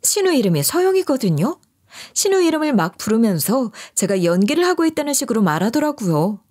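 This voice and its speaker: A woman's voice: on the high side, very animated, a little fast, a little mellow. A woman narrating her own story in the first person, emotional and confiding.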